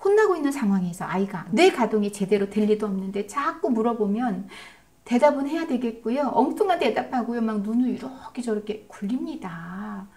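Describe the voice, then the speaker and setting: A woman's voice: a little high, lively intonation, brisk, warm tone. Korean woman giving parenting advice. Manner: explanatory, acts out parent and child lines. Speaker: parenting educator.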